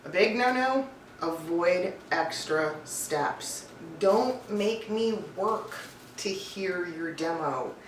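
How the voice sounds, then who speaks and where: Slow and expressive, a lowish-voiced woman talks to listeners in her advice vlog, chatty and emphatic in an informal way. She hosts it as a voice-over coach and casting director, and the scripted-feeling piece to camera has roomy echo, a distant mic, and faint noise.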